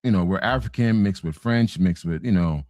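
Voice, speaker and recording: A man's voice: sits low, normal speed, a little mellow, dry recording, studio quality. A man from Haiti telling a story in a casual online panel chat, laughing as he goes.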